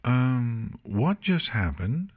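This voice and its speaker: A man's voice: mid-range voice, big pitch swings, very slow, a little mellow, husky, pitched above the performer's own voice, heavily acted. A man voicing a cheeky, chatty young female pony paladin in a fantasy audiobook, flippant and awkward. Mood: bewildered.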